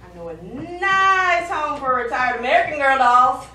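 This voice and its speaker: Woman playing bossy, high-pitched stage manager Billy, far off. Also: lively intonation, moderate pace, bright, forceful tone, reverberant. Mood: wry. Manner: brash, emphatic, sardonic. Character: bossy, exasperated, foul-mouthed theatre stage manager Billy. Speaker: stage actor. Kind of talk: live stage comedy acting. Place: small indoor theatre stage. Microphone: far camera.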